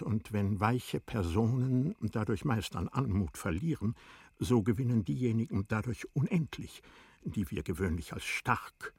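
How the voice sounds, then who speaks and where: A man narrating a literary radio play in a measured, deliberate manner, letting phrase endings drop to a hush. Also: lowish voice, husky, no room sound.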